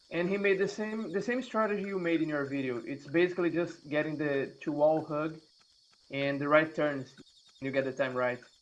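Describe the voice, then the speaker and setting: His pitch is fairly high and varies in an ordinary way. The man keeps a moderate speed. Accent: non-native. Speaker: gamer, fellow speedrunner. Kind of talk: casual chat.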